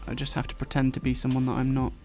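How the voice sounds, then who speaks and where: A man with an English accent softened by London, chatting casually and rambling while he draws, swearing now and then and dropping his t's. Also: medium pitch, completely flat delivery, rapid-fire, faint music behind. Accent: English, London-influenced. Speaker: YouTuber drawing on stream. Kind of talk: casual chat while drawing.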